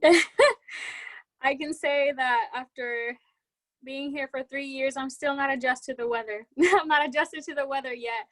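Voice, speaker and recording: A young woman from Puerto Rico, a native Spanish speaker with a Puerto Rican Spanish accent, answering panel questions in a halting way with many fillers. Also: high voice, a bit bright. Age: young adult. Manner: hesitant, many fillers, restarts words. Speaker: student panelist.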